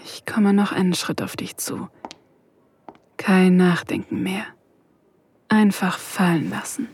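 A breathy, whispering young student. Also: female voice, on the low side, expressive, slow pace, exaggerated voice. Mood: intimate. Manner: soft, breathy, often whispered. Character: nervous, yearning young female student. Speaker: first-person narrator and student. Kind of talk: intimate first-person audio drama narration.

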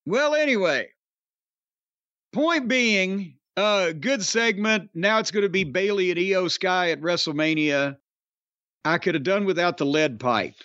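An older man with a Southern American accent, high-voiced and rambling, cursing and joking his way through casual talk. His voice comes across dry and close, a little dull in tone. He hosts the show and keeps the sarcasm going throughout. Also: unhurried, a bit bright, dry recording. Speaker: podcast host. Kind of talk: casual chat and ad read. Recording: dry, slightly dull audio.

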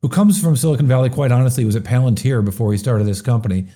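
A man's voice: mid-range voice, fast, warm tone. A man hosting a business talk show, talking in a chatty, opinionated way with plenty of fillers. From US Midwest. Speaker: show host.

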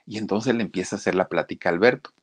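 A man with a Mexican accent telling a story to his listeners, animated and speaking to them directly. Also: sits low, racing. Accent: Mexican Spanish. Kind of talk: anecdotal storytelling to an audience.

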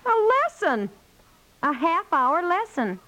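A woman's voice: extremely high pitch, big pitch swings, slow pace, bright, forceful tone, full character voice, poor audio. A woman playing a patient, practical housewife and mother in a naturalistic 1950s radio comedy. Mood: reasoning. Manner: conversational, placating.

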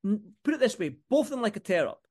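A man's voice: high voice, big pitch swings, fast talker, darkish tone. A man with a Scottish accent talking casually and ramblingly as a sports podcast host, repeating phrases for emphasis. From Scotland.

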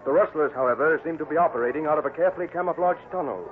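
A man's voice: on the high side, racing. Male narrator on tinny old radio. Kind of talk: scripted dramatic radio narration. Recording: tinny, hissy vintage radio recording.

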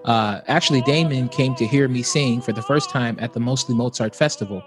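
A man's voice: mid-range voice, brisk, faint music behind. A man, an opera tenor, giving thoughtful, earnest interview answers.

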